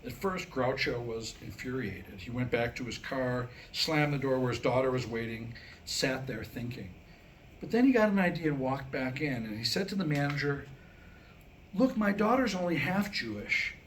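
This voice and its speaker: A man's voice: mid-range voice, animated, normal speed. A man telling Jewish jokes to a small live gathering as a storyteller, acting out the dialogue. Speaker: joke teller at a staged script reading. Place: live staged reading in a room. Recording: noisy live room recording.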